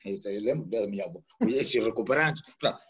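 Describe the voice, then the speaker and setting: A Mozambican man with a Mozambican Portuguese accent, a poet and sociologist giving a reflective talk over a live video call, pausing to search for words. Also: on the low side, lively intonation, fairly bright tone, highs cut off. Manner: searching, repeats words while thinking. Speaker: guest speaker, poet and sociologist. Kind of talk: reflective lecture-style talk. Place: home, live online talk. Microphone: computer or phone mic on a video call.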